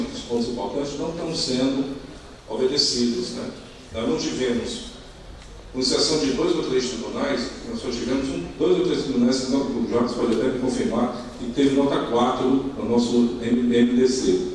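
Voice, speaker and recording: A middle-aged man with a Brazilian accent giving a formal, partly improvised conference talk, halting and repeating words as he searches for phrasing. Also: medium pitch. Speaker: conference speaker. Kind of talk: semi-extempore formal presentation. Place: indoor conference hall at a lectern. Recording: echoey hall, distant mic, faint noise.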